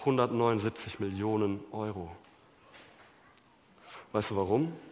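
A man preaching a sermon, swinging between loud emphasis and hushed, low passages. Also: measured pace, big-room sound, slight background noise. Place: church hall.

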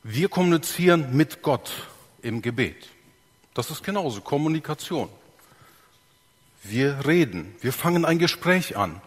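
A man's voice: fairly high pitch, expressive, unhurried, pauses often, breathy edge. Man preaching in a reverberant hall. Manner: explains step by step, acts out examples, asks the audience. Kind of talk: sermon.

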